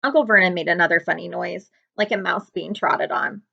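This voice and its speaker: A woman's voice: lowish voice, brisk, gravelly, sharp tone. Woman reading a storybook, slightly dull sound. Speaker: librarian reading aloud. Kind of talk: expressive storybook narration.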